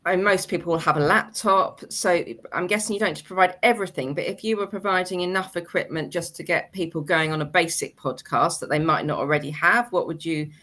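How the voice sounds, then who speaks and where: A woman's voice: on the low side, fairly quick, hardly any pauses, fairly bright tone. A woman hosting a webinar, moderating conversationally and putting questions to the panel. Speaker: webinar host.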